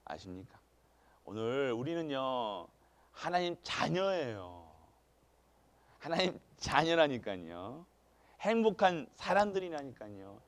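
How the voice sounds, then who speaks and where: A man preaching an early-morning church sermon, throwing rhetorical questions to the congregation and swinging between loud emphasis and hushed asides. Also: medium pitch, big pitch swings, slow, pauses often. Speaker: pastor. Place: church sanctuary.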